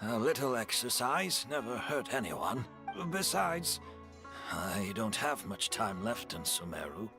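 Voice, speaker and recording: A frail old master from a video game. He speaks very slowly and gently, with resignation and lilting pitch. Music plays clearly behind him. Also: big pitch swings. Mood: gentle, wistful. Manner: slow, gentle, measured.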